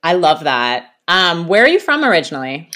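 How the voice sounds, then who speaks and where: A woman's voice: lowish voice, big pitch swings, moderate pace, bright, forceful tone. A woman hosting a podcast interview, talking casually with lots of fillers and restarts. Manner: chatty, many fillers and restarts. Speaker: podcast host.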